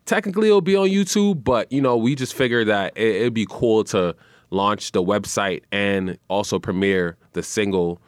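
A man's voice: moderate pace, clear, resonant tone, no echo. A young man, chatting easily as a guest in a radio studio. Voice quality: deep voice. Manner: relaxed, easygoing, says "man" and "you know" often. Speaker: guest musician and radio personality. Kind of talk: casual interview chat.

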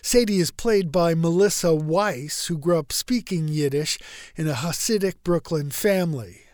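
A man's voice: fairly high pitch, no room sound. Man reporting in a dry studio. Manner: measured, even reporting delivery. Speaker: radio reporter. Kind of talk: scripted news narration.

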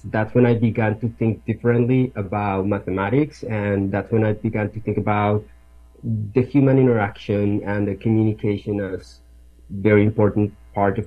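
A man from Colombia, a native Spanish speaker, explaining his research as a professor in careful, measured interview answers. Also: on the low side, highs cut off.

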